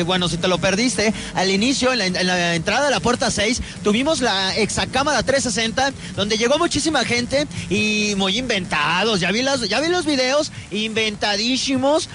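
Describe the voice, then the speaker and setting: A man with a Mexican accent presenting live radio in a casual, chatty way. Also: high-pitched. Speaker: radio host.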